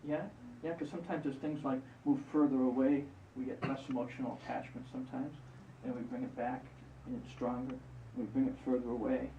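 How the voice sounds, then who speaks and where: A hypnotist guiding a volunteer through a live exercise, repeating encouraging instructions. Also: male voice, mid-range voice, level tone, brisk, creaky, mellow, slight background noise. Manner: coaching, repetitive, encouraging. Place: event room. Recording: roomy, distant, muffled live event recording.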